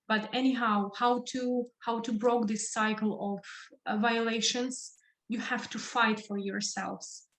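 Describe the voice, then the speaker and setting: Echoey, slow-speaking Ukrainian woman. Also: fairly high pitch, fairly even intonation, a bit bright. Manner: halting, searching for words in non-native English. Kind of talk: earnest impromptu speech in an online discussion. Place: indoors, online video call. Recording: echoey room on a video call.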